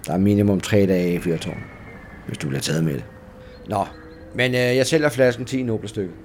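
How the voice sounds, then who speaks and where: A man voicing a discreet older student who sells smuggled goods in a soft-spoken salesman way. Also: lowish voice, a little hiss or hum, natural voice. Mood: smooth, selling. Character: smooth, discreet teenage boy dealer.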